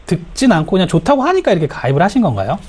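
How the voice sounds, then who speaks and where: A man advising a caller as an insurance expert, in a high, lively voice that swoops up and down. He talks in a friendly, explanatory way and fills his sentences with small hesitations. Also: rapid-fire, husky. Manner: friendly, explanatory, filler-heavy. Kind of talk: phone consultation advice.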